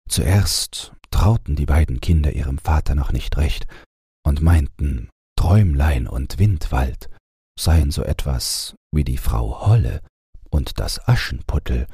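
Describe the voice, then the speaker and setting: A man narrating a scripted bedtime story as an audiobook reader, in a gentle, measured manner. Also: a bass voice, slightly rough, no room sound, clean studio sound.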